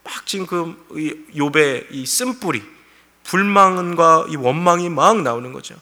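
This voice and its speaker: Guy preaching in a church, earnest, walks through verses, bright voice, echoey. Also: a little high, measured pace. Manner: earnest, explains scripture verse by verse. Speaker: pastor. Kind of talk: sermon. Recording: reverberant hall.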